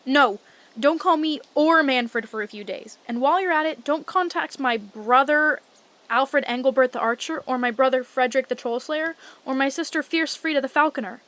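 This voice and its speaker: A woman playing a brisk, exasperated young lady knight, blunt and weary, in a comic fantasy audio drama. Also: high voice, a bit bright.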